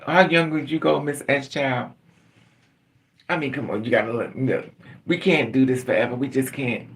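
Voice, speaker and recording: Creaky and mid-range, this middle-aged host's voice carries a candid, casual livestream chat, full of laughter, where he calls on viewers by name.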